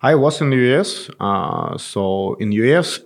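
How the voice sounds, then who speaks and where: A man with a Russian accent answering interview questions as a company founder, speaking conversational, halting non-native English. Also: medium pitch, expressive, gravelly. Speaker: guest, tech company founder and CEO.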